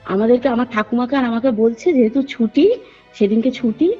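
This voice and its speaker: The caller is a woman with a warm, slightly rough voice on the high side, talking at a moderate pace. She tells a personal true ghost story over a dull lo-fi phone call with faint music behind her, rambling earnestly and often turning to the host.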